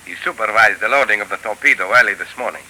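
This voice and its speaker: An actor playing a scheming professor who is a cold, calculating hypnotist villain, in a 1930s radio drama. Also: male voice, on the low side, fast, pushed and bright, low-quality recording. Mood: suave. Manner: smooth, coldly calculating. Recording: old radio broadcast, faint hiss.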